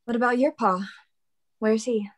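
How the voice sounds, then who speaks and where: A woman's voice: fairly high pitch, fairly even intonation, moderate pace, slight background noise, natural voice. A woman playing a plain-spoken, teasing young coal-town woman in a dramatic table read. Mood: curious, frank.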